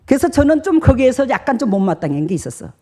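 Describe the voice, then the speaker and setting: A woman's voice: high-pitched, big pitch swings, quick pace, dark tone. A woman pastor, preaching a sermon in a chatty storytelling way. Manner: chatty storytelling, acts out dialogues.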